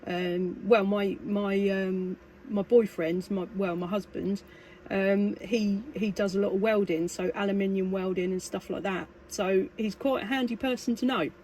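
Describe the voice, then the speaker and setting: A woman's voice: mid-range voice, steady tone, normal speed, a little mellow. A British woman chatting casually as a radio hobbyist, in a hesitant, rambling way. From United Kingdom. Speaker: amateur radio operator. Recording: clearly noisy amateur recording, radio hiss. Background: background noise.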